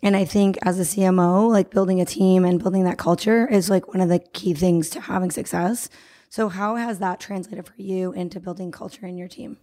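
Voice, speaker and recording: Woman podcast host, lower voice. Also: fairly even intonation, fairly quick, mellow. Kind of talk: podcast interview.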